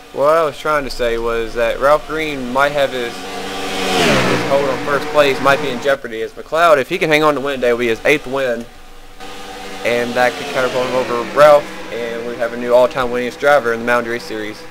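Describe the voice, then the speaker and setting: Noticeable background noise sits under a man's voice. He talks fairly quickly at medium pitch with ordinary pitch variation. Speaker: racing game commentator. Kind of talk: live commentary. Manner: stuttering, stumbling over words.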